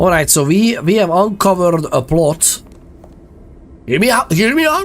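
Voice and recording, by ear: A man speaks at a fairly slow pace with lively intonation.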